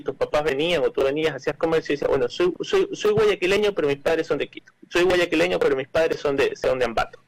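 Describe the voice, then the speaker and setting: An Ecuadorian man speaks as an interview guest, his voice sitting a little high for a man. He explains his views at length, often hesitating with fillers, restarting phrases and repeating words. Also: rough recording. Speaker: cultural manager, interview guest.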